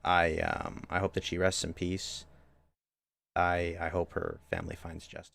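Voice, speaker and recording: A man's voice: low-pitched, sing-song, unhurried, creaky, a bit bright. A young man streaming games from home, chatting loosely with his chat, restarting sentences a lot. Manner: rambling, many restarts, talks to chat. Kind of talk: casual live-stream chat.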